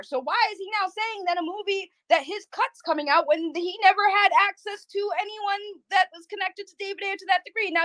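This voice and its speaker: A high, bright-voiced woman talks bluntly over a remote call, cursing often and tripping over her own restarts. The sound is dry and close, with no room around her. She comes across as a YouTube drama creator speaking her mind. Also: no room sound. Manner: blunt, swears freely, quick restarts. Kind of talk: casual heated chat.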